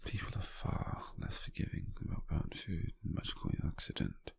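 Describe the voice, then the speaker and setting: A British man playing a gentle, doting, teasing lover in an intimate, breathy, half-whispered ASMR roleplay, close to the microphone. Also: deep voice, steady tone, no room sound, full character voice. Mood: soft, musing. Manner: slow, tender, softly teasing.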